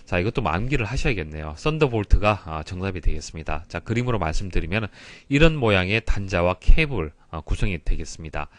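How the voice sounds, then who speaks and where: Male instructor, fairly deep voice, explanatory lecture delivery with repeated key points, dry room-free sound. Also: sing-song, fairly quick, few pauses, no room sound. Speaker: exam-prep lecturer. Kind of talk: instructional lecture working through past exam questions.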